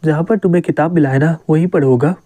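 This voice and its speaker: A man's voice: on the high side, fast, dark tone, no echo, lightly acted. A helpful young shop girl, read by a man. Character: polite young female shop assistant.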